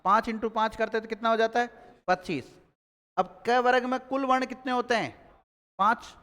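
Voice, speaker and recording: Man, teacher, question-and-answer drilling, calls on students, high-pitched. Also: fairly even intonation, moderate pace, sharp tone, in a large hall. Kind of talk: live online Hindi grammar class.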